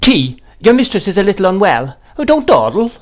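A man's voice: high-pitched, big pitch swings, brisk, voice pushed up. A man voicing a stern, brusque older woman who gives orders in a clipped, scolding way. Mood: commanding.

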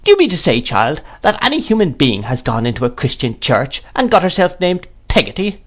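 A man's voice: fairly high pitch, very animated, a little fast, fairly bright tone, voice pushed up. A man putting on a stern, imperious older aunt. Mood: commanding. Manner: imperious, clipped, scolding. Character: stern, brusque older woman aunt, commanding.

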